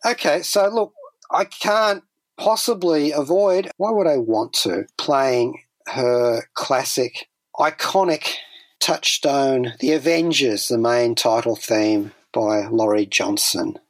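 Male pop culture radio presenter, medium pitch, whimsical and wordy, wry asides, very dry studio. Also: slow, dry recording. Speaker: radio show host.

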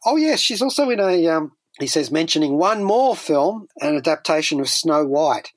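A man's voice: on the high side, lively intonation, moderate pace, no room sound. A man hosting a pop culture radio show in a chatty, wordy way, with whimsical turns of phrase and wry asides. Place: dry radio studio.

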